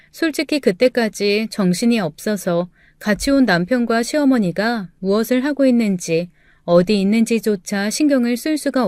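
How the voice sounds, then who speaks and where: Woman narrating a radio story, high and dry. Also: a little mellow, no echo.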